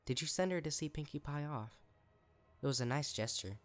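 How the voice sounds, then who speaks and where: A man's voice: a little high, a little fast, pitched above the performer's own voice, close to an everyday voice. A man voicing a deranged, eager, power-hungry female unicorn pony writing letters, in a chirpy, unhinged manner for a horror story. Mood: cheerfully unhinged.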